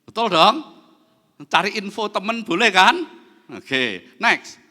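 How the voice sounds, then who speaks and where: A middle-aged man preaches, his bright voice leaping up and down as he acts out the people in his anecdotes. It rings through a church hall with a long reverb. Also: high voice, slow. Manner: animated, acts out dialogue in anecdotes. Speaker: pastor. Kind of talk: lively sermon with stories.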